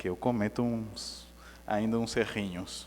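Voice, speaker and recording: A man speaks with a non-native accent. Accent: foreign Spanish-speaking accent in Portuguese. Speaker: spiritist speaker. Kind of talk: public talk. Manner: light humorous.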